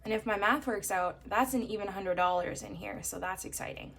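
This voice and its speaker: A young woman from Canada, slightly hoarse from a coming cold, chatting casually as she counts bills aloud in a steady rhythm. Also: medium pitch, brisk, a little hiss or hum. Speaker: budgeting vlogger. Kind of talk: casual narration while counting cash.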